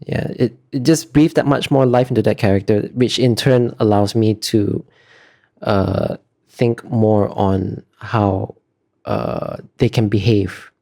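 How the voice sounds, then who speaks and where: Guy getting interviewed about his work, soft mellow tone w some creak, kinda halting and earnest. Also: lowish voice, fairly even intonation. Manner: hesitant, searching for words, earnest. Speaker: illustrator being interviewed. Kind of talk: thoughtful interview answers.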